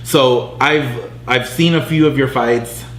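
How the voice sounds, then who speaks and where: A man's voice: medium pitch, takes it slowly, fairly bright tone, roomy sound, slight background noise, low-quality recording. A man who grew up near Chicago hosting a podcast interview, talking in a friendly, rambling way. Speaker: podcast host. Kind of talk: casual interview.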